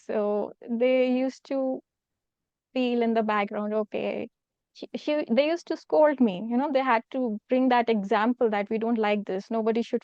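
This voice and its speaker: Clear, higher-pitched Indian woman. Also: a little mellow, dry recording, highs cut off. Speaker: spiritual healer, interview guest. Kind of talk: conversational interview, personal storytelling.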